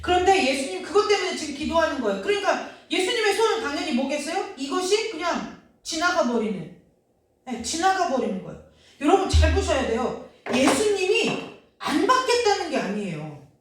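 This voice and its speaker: A woman's voice: sits high, sing-song, a little fast, slight background noise. A woman preaching a sermon in earnest, asking the congregation questions as she goes. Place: church sanctuary. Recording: very echoey, from far off.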